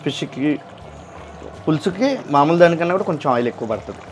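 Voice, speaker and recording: A man's voice: fairly high pitch, animated, quick pace, soft background music. A man cooking in his home kitchen, giving directions and teasing his wife as they chat. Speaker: husband doing the cooking.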